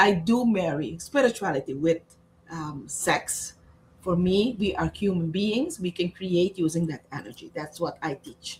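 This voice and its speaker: In an Aruban accent, a woman talks at a fairly slow pace with a fairly low pitch. Her intonation is lively, and her loudness swings widely. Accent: foreign accent, Aruban. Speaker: relationship and sex coach. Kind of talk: casual chat, podcast talk.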